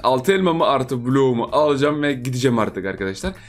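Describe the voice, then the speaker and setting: A man's voice: mid-range voice, a little fast, soft background music. A young man giving chatty live commentary on a game he is playing, repeating himself and teasing the other players. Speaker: gaming YouTuber.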